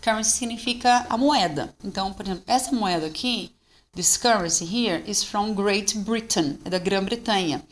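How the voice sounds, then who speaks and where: This is a Brazilian woman with a Brazilian Portuguese accent, teaching an English lesson. She switches between explanation and slow, careful model phrases. She often pauses to check that her students are following. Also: mid-range voice. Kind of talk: bilingual classroom lesson.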